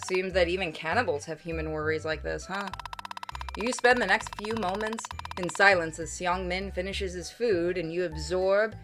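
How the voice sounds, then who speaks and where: A woman's voice: on the low side, fairly even intonation, normal speed. A woman gaming streamer reading visual novel text aloud and chatting casually as she plays. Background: game music.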